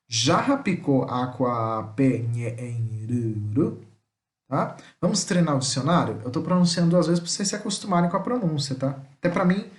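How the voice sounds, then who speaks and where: A man whose voice sits high teaches a language online, and the sound is roomy. Patient in his explanations, he checks in after each point and sometimes sounds out words slowly.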